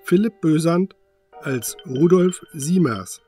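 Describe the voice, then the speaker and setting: Slow-paced male credits announcer over music. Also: on the high side, lively intonation, dark tone. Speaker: announcer reading the cast credits. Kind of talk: scripted credits narration.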